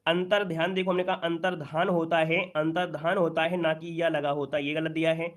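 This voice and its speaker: A man's voice: a little high, level tone, brisk. A man teaching an exam-prep Hindi spelling lesson, repeating key points and asking the class rhetorical questions, then answering them himself.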